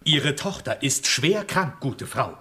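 A man's voice: mid-range voice, very animated, pushed and bright, heavily acted. An actor playing a grave, middle-aged male chief physician in a children's radio play. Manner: slow, grave bedside pronouncements.

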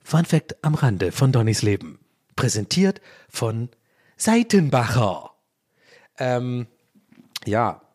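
An Irish man, English by first language, chatting alone on his podcast. He rambles and curses, mocks himself, and his voice leaps up whenever he jokes. Medium pitch, an ordinary everyday tone. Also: very animated, slow pace, pauses often, darkish tone, breathy edge. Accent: Irish English speaker talking German. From Ireland. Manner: rambling, self-mocking, swears, jumps in pitch when joking. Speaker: podcast host. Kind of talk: casual solo podcast chat.

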